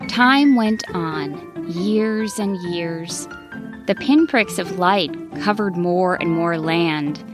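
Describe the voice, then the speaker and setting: A woman storyteller narrating a children's bedtime story expressively, in deliberate short phrases with dramatic pauses. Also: fairly low pitch. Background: music.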